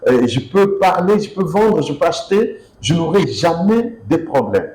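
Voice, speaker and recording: A man's voice: a little high, normal speed, roomy sound, poor audio. A man from Kinshasa answering interview questions as an author, speaking emphatically with many fillers and restarts. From DR Congo, Kinshasa. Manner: expressive, emphatic, repeats himself with fillers.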